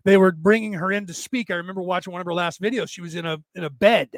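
Raspy, higher-pitched man, voice worn out. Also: fairly even intonation, fast, no room sound. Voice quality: raspy, damaged-sounding voice from long-standing vocal cord trouble. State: vocal cords tired and worn out from talking. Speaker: host of a spiritual talk livestream. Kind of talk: rambling casual livestream monologue, reading listener comments.

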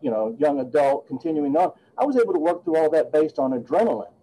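Warm-voiced man in his late fifties. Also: on the high side, big pitch swings, fast talker, low-quality recording. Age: 50s. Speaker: guest attorney. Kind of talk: podcast interview.

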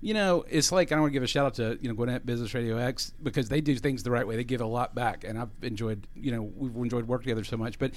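A man hosting a radio interview in a studio, joking and rambling in casual chat. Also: mid-range voice. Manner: quick, jokey, rambling. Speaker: radio show host.

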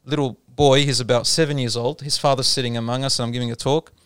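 A man's voice: medium pitch, fairly even intonation, fast, fairly bright tone, clean tone, dry recording, studio quality. A man from Australia explaining a religious idea in casual conversation, patiently telling anecdotes and mixing in Arabic terms. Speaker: Islamic speaker.

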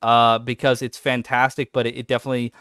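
Enthusiastic man on a podcast, smooth voice. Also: medium pitch, fast, no echo, clean studio sound. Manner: enthusiastic, animated when excited. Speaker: podcast co-host. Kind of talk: casual podcast chat.

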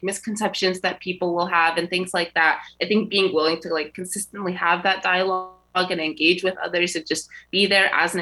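A young woman student answering radio interview questions in a measured, articulate way, with frequent ums. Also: on the low side, pushed and bright. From United States. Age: young adult. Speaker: student guest.

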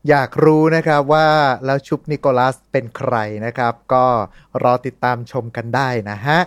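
A man's voice: mid-range voice, steady tone, moderate pace, smooth, dry recording. A man hosting a casual podcast, asking questions and teasing his co-host.

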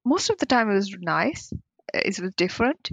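A cybersecurity professional in her forties gives candid, reflective answers as a podcast guest, using non-native phrasing and laughing often. Her mid-range voice has big pitch swings at a moderate pace. The recording is muffled, with no room sound.

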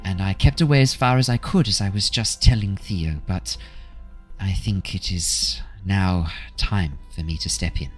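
A man voicing a kindly old woman fortune teller, gentle, calm and cryptic, in a tabletop role-play game. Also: deep voice, a little slow, soft background music. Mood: solemn, cryptic.

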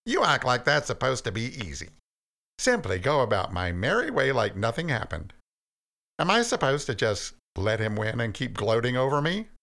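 A bitter, defiant young man who bristles with sarcasm and refuses to back down, as a storyteller puts him on. His voice rides high and swings wildly, with a gravelly edge underneath. He sounds like a sulking figure from a storybook. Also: very animated, moderate pace, a bit bright. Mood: skeptical, mocking. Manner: sarcastic, heated, insistent. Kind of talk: storybook reading.

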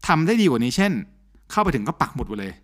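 A man in casual podcast chat, blunt and animated, swearing freely as he rants. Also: medium pitch, fast. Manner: blunt, animated, crude slang. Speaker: podcast co-host.

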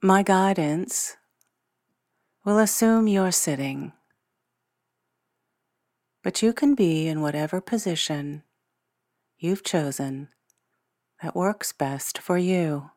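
A woman guiding a scripted meditation in a gentle, soothing, soft-spoken way, leaving long pauses between short phrases. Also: on the low side, no room sound, clean studio sound. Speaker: meditation guide. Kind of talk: scripted guided meditation narration. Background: new-age music.

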